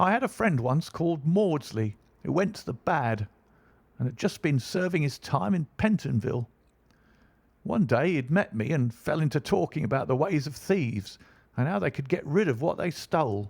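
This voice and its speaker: A man's put-on character voice, whiny, shaky and nervous in tone, fairly high-pitched with very wide pitch swings, at a moderate pace, on a very clean recording with a silent background. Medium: read story. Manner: nervous, whining.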